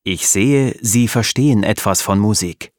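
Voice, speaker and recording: A man reading the courteous, enthusiastic messages of a male music lover, slowly and plainly. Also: fairly low pitch, darkish tone, dry recording, studio quality, natural voice. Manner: slow, courteous replies.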